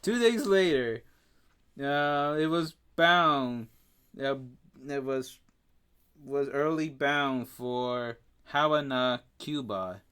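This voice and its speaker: This male podcast co-host, a native Spanish speaker with a Spanish accent, stumbles over names and leans on lots of fillers as he haltingly reads facts on a casual show. His voice is medium in pitch, smooth, with a fairly bright tone.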